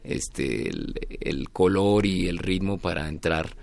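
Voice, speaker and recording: A man's voice: low-pitched, expressive, takes it slowly, gravelly, a little mellow. A man speaking as an interviewed band leader, in casual, reflective talk, often searching for his words.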